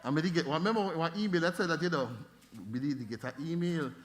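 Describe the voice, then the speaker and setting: A middle-aged Jamaican man giving feedback as a debate judge, animated and fond of demonstrating voices as he coaches. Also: a little high, quick pace, a little hiss or hum. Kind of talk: feedback speech to an audience.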